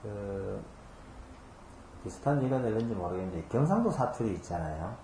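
A man's voice: on the low side, lively intonation, normal speed, mellow, reverberant, slight background noise. A man preaching a conversational sermon, explaining scripture patiently with homely examples and rhetorical questions. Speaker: pastor. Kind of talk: conversational Bible-teaching sermon.

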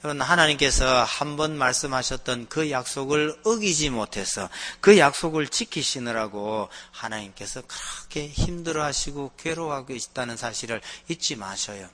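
A man's voice: mid-range voice, animated, normal speed, hardly any pauses, sharp tone. A male pastor preaching a sermon, telling anecdotes with animation and acting out the voices in them.

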